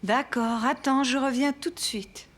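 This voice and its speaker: High-voiced tender cartoon mother. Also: unhurried. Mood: patient. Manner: soft-hearted, coaxing. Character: tender, patient but firm young mother. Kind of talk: cartoon voice acting, French dub. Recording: music behind the voice.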